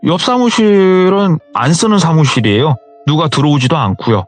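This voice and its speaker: A man's voice: fairly high pitch, moderate pace, faint music behind, pitched above the performer's own voice, lightly acted. A man doing a matter-of-fact office worker.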